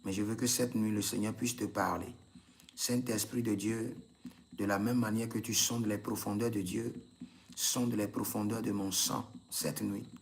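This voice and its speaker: A man's voice: fairly low pitch, fairly even intonation, unhurried, creaky. A man, a prophet leading a live prayer session, repeating intense commands and breaking into tongues.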